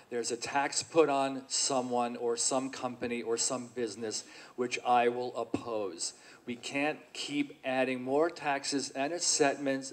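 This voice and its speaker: A man running for mayor who gives a deliberate, skeptical debate answer with hesitant restarts. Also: mid-range voice. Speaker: mayoral candidate.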